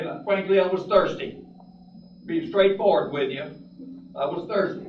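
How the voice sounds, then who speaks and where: A man speaks with an American accent, with audible room echo and noticeable background noise in the recording. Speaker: longtime Freemason honoree. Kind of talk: award acceptance speech with anecdotes.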